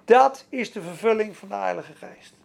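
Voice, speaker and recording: A man preaching a sermon, animated, swinging between loud exhortation and soft prayer-like passages. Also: high voice, normal speed, gravelly. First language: Dutch.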